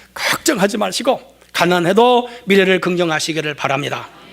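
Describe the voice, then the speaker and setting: A man with a high-pitched voice speaks in an animated tone with lively intonation over noticeable background noise. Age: 60s. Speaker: pastor. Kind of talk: sermon.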